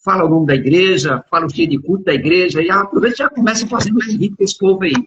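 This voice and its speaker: A middle-aged man hosts an informal live interview in a very raspy, fairly high voice. He speaks haltingly and repeats his words. The sound is dull and lo-fi, like an internet call. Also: a bit bright. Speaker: podcast and radio host.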